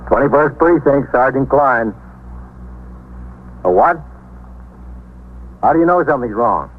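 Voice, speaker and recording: An actor playing a male desk sergeant who fields phone calls in a 1950s radio drama, asking quick, businesslike questions. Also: mid-range voice, expressive, slight background noise, lightly acted. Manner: brisk, questioning phone manner. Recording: tinny lo-fi 1950s radio broadcast.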